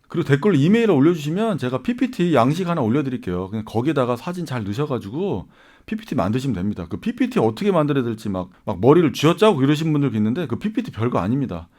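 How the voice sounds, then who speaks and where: Guy acting coach, fast chatty advice, voice goes up n down a lot, kinda high. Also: a little mellow. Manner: chatty, asks listeners rhetorical questions. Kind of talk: casual YouTube advice talk.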